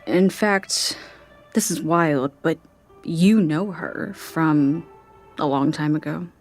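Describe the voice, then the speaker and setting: Caring young woman, lowish voice, hesitant and gently searching, natural audio drama delivery over faint music. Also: takes it slowly. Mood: tentative.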